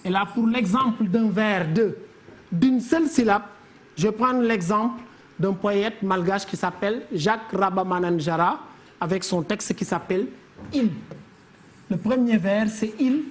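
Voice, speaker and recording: A woman teacher giving a televised literature lesson, counting syllables slowly and deliberately. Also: medium pitch, a little hiss or hum.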